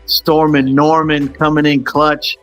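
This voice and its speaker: A man's voice: a little high, little pitch movement, takes it slowly, a bit bright, faint music behind. Rambling, filler-heavy male sports host. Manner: rambling, many fillers and restarts. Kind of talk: casual sports chat.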